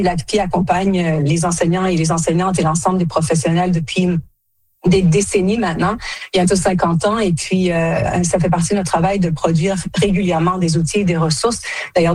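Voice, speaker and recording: A middle-aged woman from Quebec answering radio interview questions as an association director, speaking haltingly with many fillers and self-corrections. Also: fairly low pitch, darkish tone, no echo. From Quebec, Canada. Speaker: association director general, guest.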